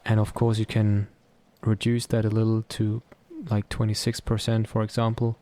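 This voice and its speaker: A man presenting a software tutorial in a casual, explanatory style. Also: on the low side, monotone, moderate pace.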